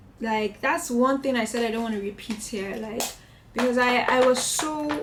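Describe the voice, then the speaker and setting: Amid noticeable background noise, a woman with high pitch and ordinary pitch variation talks at a moderate pace. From Nigeria, Lagos. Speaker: vlogger. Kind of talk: casual vlog talk. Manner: animated.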